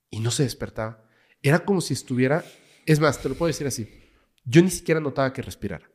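A man with a Mexican Spanish accent and a mid-range voice tells a story as a podcast guest. He talks in a casual, dramatic way and sinks to a hush at the tense parts. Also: mid-range voice. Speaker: guest, paranormal investigator.

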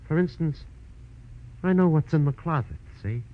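A shifty little American hoodlum acted by a man speaks in a fairly high voice full of whine and underworld slang. It is old radio crime drama, with the dull sound of a vintage broadcast. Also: lively intonation, moderate pace, lightly acted. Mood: whining, defensive. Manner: whining, slangy gangster talk. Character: shifty, whining little male crook, paroled. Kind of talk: 1940s radio crime acting.

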